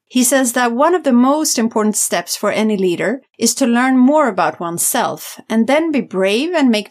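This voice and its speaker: A woman works as a podcast co-host, presenting prepared introductions and interview talk. Her voice sits a little higher than average.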